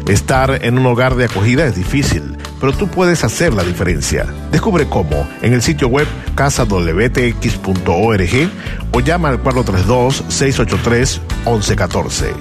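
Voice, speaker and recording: A male announcer reads a public service ad in a clear, earnest voice. His pitch moves up and down a lot, and music plays clearly behind him. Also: expressive, moderate pace. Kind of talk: read radio public service ad. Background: music bed.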